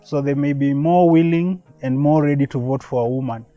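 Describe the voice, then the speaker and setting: Measured man, dull recording with music. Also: on the high side, no room sound. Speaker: project representative. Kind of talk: documentary interview. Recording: dull lo-fi sound, music bed. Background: background music.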